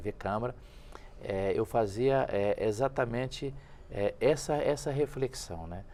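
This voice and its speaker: Taking a fairly slow pace, a man speaks with lively intonation. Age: 60s. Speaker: federal congressman. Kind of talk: TV interview. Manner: hesitant, many fillers.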